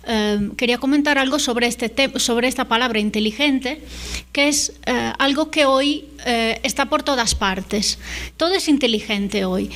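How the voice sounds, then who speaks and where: A woman's voice: fairly high pitch, fairly bright tone. A middle-aged woman whose first language is Italian, giving an invited conference talk in a hesitant way, full of fillers and tag questions. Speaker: invited lecturer.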